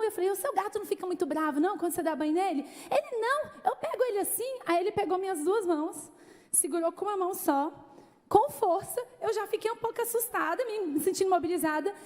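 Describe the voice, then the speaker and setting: Young Brazilian woman pastor, very high voice, animated sermon storytelling, long church reverb. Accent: Brazilian Portuguese. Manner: animated, laughing storyteller addressing the congregation. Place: church hall.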